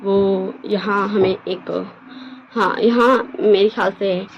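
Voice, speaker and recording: A woman voicing a soft-spoken young man who reassures his friend. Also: medium pitch, steady tone, slow, highs cut off, slight background noise, lightly acted. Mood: gentle.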